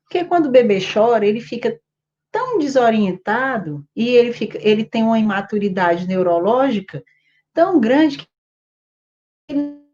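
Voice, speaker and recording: A woman teaching parents about baby sleep in a casual talk to camera, pausing often on fillers and checking that listeners follow. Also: expressive, darkish tone. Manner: many hesitant fillers, rhetorical checks with listeners; sing-song high voice when soothing a baby. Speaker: infant sleep educator. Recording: dull lo-fi audio.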